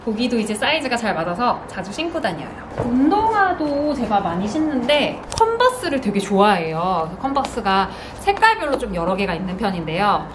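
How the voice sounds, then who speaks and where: A woman in her thirties with a fairly high, very lively voice, chatting to camera in a casual show-and-tell style. She is expressive and drops in cute exclamations. There is clear noise in the room behind her. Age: 30s. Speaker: vlogger, host. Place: bright small indoor room with sofa.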